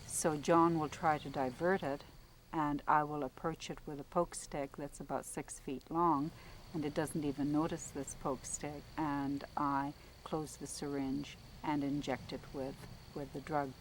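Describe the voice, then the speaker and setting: A woman's voice: low-pitched, fairly even intonation, a little slow, slight background noise, poor audio. A woman researcher explaining her fieldwork carefully, step by step, in a documentary interview. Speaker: wildlife researcher.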